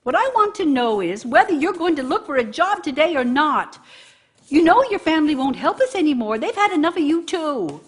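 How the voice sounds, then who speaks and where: A woman's voice: high voice, big pitch swings, fairly quick. An actress playing a bitter, nagging working wife who scolds her idle husband with scorn and sarcasm in a radio drama monologue. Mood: bitter, sarcastic.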